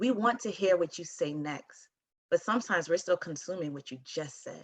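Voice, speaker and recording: A woman with a fairly low pitch talks at a moderate pace in an animated tone, her intonation lively and her loudness swinging widely. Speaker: public speaking coach. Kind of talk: interview.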